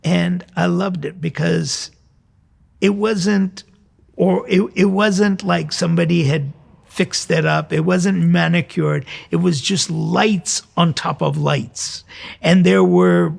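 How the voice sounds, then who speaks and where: A man's voice: high voice, steady tone, slow, vocal fry. A middle-aged or older American man, a priest, giving an informal sermon with personal stories in a conversational, reflective way. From Southern California, United States. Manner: conversational, reflective, rhetorical questions. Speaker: priest, host.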